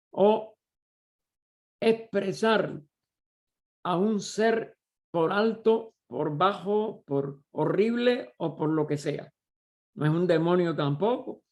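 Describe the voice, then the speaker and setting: A man leading a study group, explaining a text slowly and deliberately, often pausing and restarting as he searches for words. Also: high-pitched, darkish tone. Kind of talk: slow explanatory study lecture.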